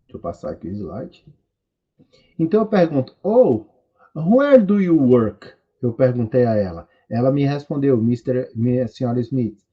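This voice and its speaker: Brazilian guy in his 40s teaching english, kinda husky, dull lo-fi audio. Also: mid-range voice, lively intonation. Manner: rambling, self-correcting, reads English lines slowly. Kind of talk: recorded online class.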